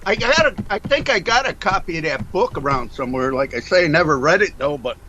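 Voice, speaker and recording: A man talking loudly and bluntly in casual, argumentative chat over an internet call, away from the microphone. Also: fairly high pitch, lively intonation, fast, dull audio, a little hiss or hum. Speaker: phone-in guest. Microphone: computer microphone some way off on an internet call.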